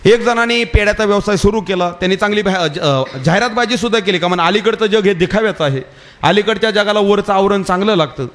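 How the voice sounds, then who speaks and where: Man, kirtan preacher, high-pitched voice, conversational parable telling, keeps calling on listeners. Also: quick pace. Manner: addresses the audience directly with repeated calls to listen; tells parables in a lively, conversational way. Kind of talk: devotional kirtan sermon with storytelling. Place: live religious gathering.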